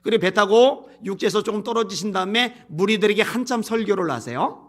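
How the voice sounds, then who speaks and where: Male pastor, high voice, strained throat, reads scripture then talks it through. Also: expressive, fairly quick. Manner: reads scripture loudly, then explains in plain conversational asides. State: bronchial trouble, strained voice. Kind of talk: sermon with scripture reading.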